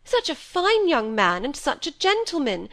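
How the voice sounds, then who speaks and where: A woman's voice: sits high, sing-song, moderate pace, a bit bright, voice pushed up, heavily acted. A woman voicing a self-pitying, fussy middle-aged stepmother who gushes and complains. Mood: fretful.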